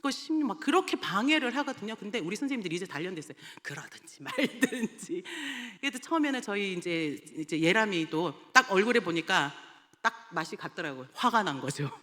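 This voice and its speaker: A woman evangelist telling a lively testimony in a sermon, laughing often as she recounts stories. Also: medium pitch, fairly quick. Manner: animated storytelling, often laughing. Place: church sanctuary. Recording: long church hall reverb.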